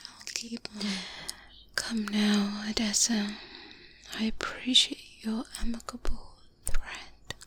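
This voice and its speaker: A woman playing a courteous but quietly menacing vampire in a formal, hushed, whispered ASMR roleplay, close to the microphone. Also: on the high side. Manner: formal, deliberate, hushed, measured diplomatic speech. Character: courteous, quietly menacing female vampire, protective, world-weary. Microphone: close-up binaural microphone. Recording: close binaural mic, clear background noise.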